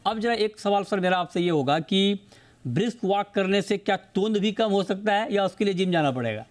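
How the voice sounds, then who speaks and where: A male television host with a notably high voice leads a studio panel interview. He asks long, winding questions and addresses his guests politely as sir. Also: expressive, a little fast. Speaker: TV show host.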